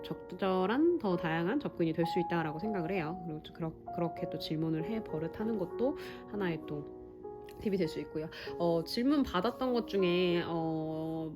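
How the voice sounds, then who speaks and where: A woman Pilates instructor speaks in a somewhat low voice, measured and reflective, often pausing to rephrase. She addresses other teachers directly, thinking aloud about how to teach. Background music plays clearly beneath her. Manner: thoughtful, measured, with frequent pauses and self-corrections. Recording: music playing clearly under the voice.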